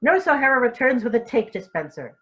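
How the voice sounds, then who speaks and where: A woman's voice: on the high side, very animated, a little fast, fairly bright tone, highs cut off. A woman reading out stage directions for a staged reading as scripted narration, sometimes stumbling over the script.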